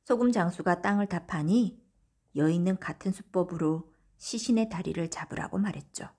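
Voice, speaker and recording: Husky-voiced woman narrating a bedtime folktale. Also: fairly low pitch, normal speed, mellow. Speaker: audiobook narrator.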